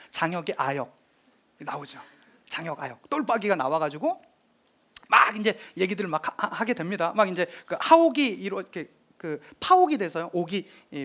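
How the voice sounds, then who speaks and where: A man lecturing on history, retelling drama scenes in a lively storytelling manner. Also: high voice.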